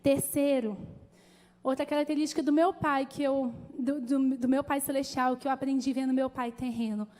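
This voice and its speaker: A woman pastor preaches in a high, mellow voice, chatting with the congregation and calling out to them. Her voice carries a long church-hall reverb. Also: normal speed. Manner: conversational, animated preaching with calls to the congregation. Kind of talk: sermon.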